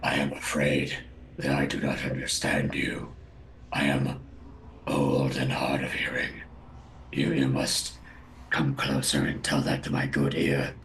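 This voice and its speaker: A man voicing a polite old man, hard of hearing, speaking formally and deliberately. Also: rumbling low, completely flat delivery, a bit bright, slight background noise, full character voice. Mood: feigned apology.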